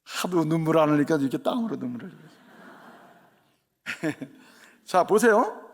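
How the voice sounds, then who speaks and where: Guy pastor preaching, high voice, chatty lively sermon in a church. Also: moderate pace, creaky, breathy edge. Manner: lively, conversational, asks the congregation questions. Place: church sanctuary.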